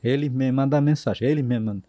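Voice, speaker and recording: An Argentine man with a mellow voice and a native Spanish speaker's accent tells his story to a podcast host. He talks earnestly and drops Spanish words into his Portuguese. The recording is close and dry. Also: mid-range voice, quick pace, no room sound. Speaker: missionary guest. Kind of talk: casual storytelling in a podcast interview.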